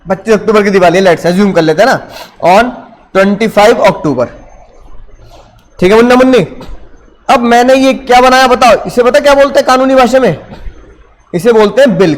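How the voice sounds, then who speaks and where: Brief: male commerce teacher in a classroom, lively lecture full of rhetorical questions, high voice. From India. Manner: animated, fires rhetorical questions at students.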